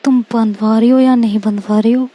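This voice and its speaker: A woman's voice: a little high, steady tone, brisk, warm tone, natural voice. A woman voicing a jealous, bossy young woman who talks to her girlfriend with sarcasm and demands.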